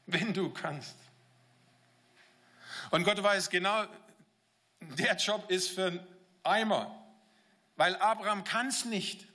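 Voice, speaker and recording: A man delivers a sermon in a bright, clear voice that sits somewhat high for a man. He talks directly and conversationally to the congregation. At times he acts out the characters' words in paraphrase. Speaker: preacher.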